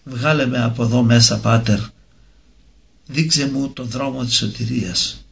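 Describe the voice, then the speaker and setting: A man's voice: medium pitch, fairly even intonation, creaky, fairly bright tone. A man voicing an ashamed, repentant young woman in a read-aloud religious story. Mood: pleading. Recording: dull lo-fi recording.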